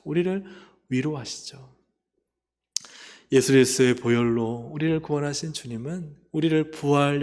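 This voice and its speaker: Impassioned high-voiced male pastor. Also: long reverb tail. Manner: impassioned, swings from loud high cries to near whispers. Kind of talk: sermon. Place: church sanctuary.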